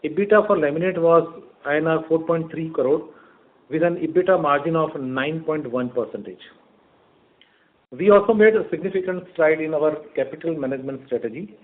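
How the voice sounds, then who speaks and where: Indian male executive, fairly high voice, formal scripted results read, narrowband phone audio. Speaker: company executive presenting results. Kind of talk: scripted earnings report read aloud. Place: on a conference call. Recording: muffled narrowband conference phone line.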